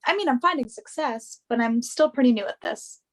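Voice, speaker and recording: A woman's voice: on the high side, lively intonation, brisk, lightly acted. A woman acting in a play reading as a confident, earnest young fashion model who speaks up for herself. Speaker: actor in a virtual staged reading.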